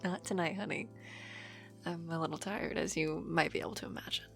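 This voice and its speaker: A woman playing an affectionate, teasing working wife in an ASMR audio roleplay, chatty and expressive. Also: lowish voice, brisk, vocal fry, faint music behind. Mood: tender, tired.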